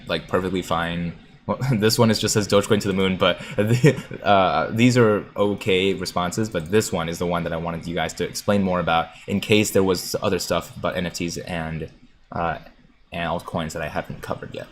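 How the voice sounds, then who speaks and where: Male livestream host, deep low voice, chatty and quick to laugh, faint background hum. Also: fairly even intonation. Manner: chatty, laughs often, muses aloud. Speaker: livestream host reading viewer comments. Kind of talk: casual livestream chat about stocks.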